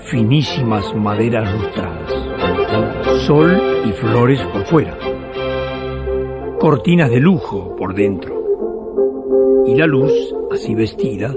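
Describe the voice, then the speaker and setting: A man telling a story for a radio play in poetic, deliberate phrases with pauses. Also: medium pitch, animated. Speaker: narrator. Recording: music behind the voice.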